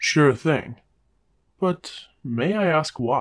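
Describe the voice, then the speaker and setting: A man does a put-on character voice. It sits fairly high in pitch and has lively intonation. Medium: read story. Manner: polite, deferential.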